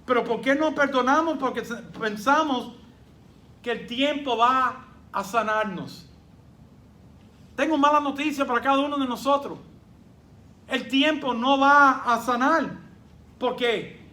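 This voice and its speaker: A man's voice: very high-pitched, unhurried, pauses often, bright, forceful tone. A man preaching a sermon as pastor, emphatic, with rhetorical questions and quoted voices of his congregation.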